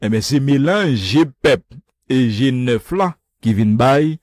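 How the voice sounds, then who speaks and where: A man commenting on the news with a co-host, animated and laughing between points. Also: mid-range voice, unhurried, no echo, clean studio sound.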